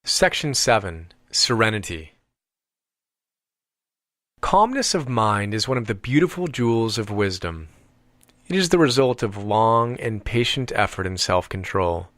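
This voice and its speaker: A man reading an audiobook as scripted narration, with measured, deliberate phrasing and emphatic pauses. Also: fairly low pitch, big pitch swings, a bit bright, no echo, studio quality.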